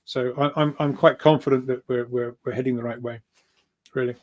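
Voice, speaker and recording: A man talks informally as a guest researcher in an interview. His voice is medium in pitch. He speaks haltingly, often stammering and repeating the start of a phrase before carrying on. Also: fairly even intonation, a little mellow.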